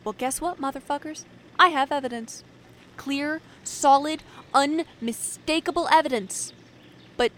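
A woman's voice: a little high, a bit bright, slight background noise. A woman playing a sardonic, defiant doctor in an audio drama, talking in a wry, profane, emphatic way.

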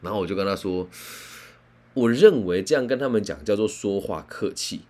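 Man, career counselor, storytelling, lively pitch, lowish voice. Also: moderate pace. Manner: animated, conversational. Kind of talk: storytelling talk.

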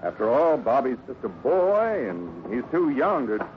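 An actor playing a steady, fatherly ranch boss with a plain-spoken, measured way in a 1950s radio western. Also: mid-range voice. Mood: friendly, frank. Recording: muffled, noisy old radio recording.

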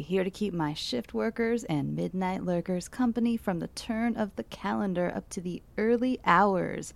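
A late-night local radio DJ in an audio drama, with a creaky edge to a mid-pitched voice. The patter is calm, intimate and easygoing, with a wry streak. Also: female voice.

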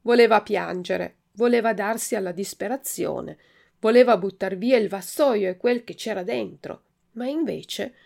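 A woman reads a classic children's tale with lively expression and a strongly gravelly, creaky voice. Her pitch sits in the middle range. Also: measured pace. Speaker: narrator. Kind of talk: storybook reading.

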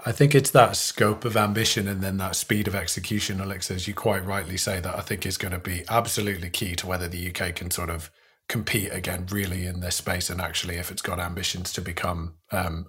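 A man's voice: deep voice, fairly bright tone, slightly rough. A man co-hosting a podcast, reading out news stories and putting questions to a guest. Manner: reads headlines, then questions guests. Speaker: podcast co-host.

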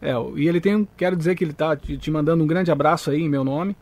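A man's voice: on the high side, fast talker, darkish tone. A man hosting a live radio interview in a polite, admiring manner.

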